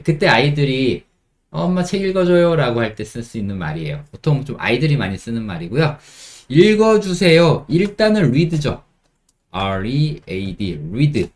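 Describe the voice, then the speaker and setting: A man teaching spoken English in Korean, explaining phrases and repeating English sentences very slowly for learners. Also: medium pitch. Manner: explains in Korean with lively, rising delivery.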